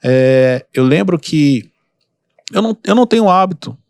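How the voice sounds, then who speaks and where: A calm man hosting a podcast, giving relaxed advice with lots of everyday examples. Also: fairly high pitch, dry recording, clean studio sound. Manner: calm, unhurried, gives examples. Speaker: podcast host and mentor. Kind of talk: casual advice talk.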